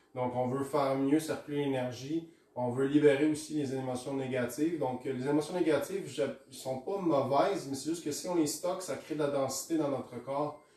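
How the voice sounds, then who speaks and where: Amid noticeable background noise, a man with a fairly high voice speaks with fairly even intonation. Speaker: meditation teacher. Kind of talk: talk. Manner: fast; halting.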